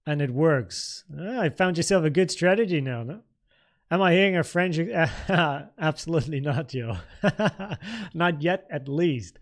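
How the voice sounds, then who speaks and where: A man in his thirties from the Netherlands, with Dutch as his first language, hosts a live trading stream. His voice sits a little higher than average. He talks informally, thinking aloud as he reads and answers comments from viewers. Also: animated, a little slow. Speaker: trading livestream host. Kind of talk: casual livestream Q&A and market commentary.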